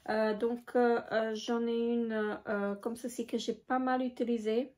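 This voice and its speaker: A woman chatting casually in a show-and-tell vlog, hesitant with many filler pauses. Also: a little high, little pitch movement, darkish tone, slight background noise. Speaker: beauty vlogger.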